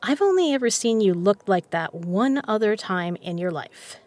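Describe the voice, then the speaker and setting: An actress plays a self-assured woman in an audio drama, with a voice of medium pitch. She talks frankly and coaxingly, like family, with a teasing edge and real care underneath. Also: animated, normal speed, a little mellow, lightly acted. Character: confident, teasing, caring woman poker player, the man's cousin.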